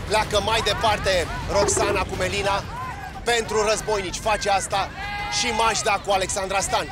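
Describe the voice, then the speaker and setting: Guy doing fast play-by-play, pretty high voice, crowd roaring in the back. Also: over loud music. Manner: rapid, excited calls. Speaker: sports commentator. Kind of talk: live play-by-play commentary.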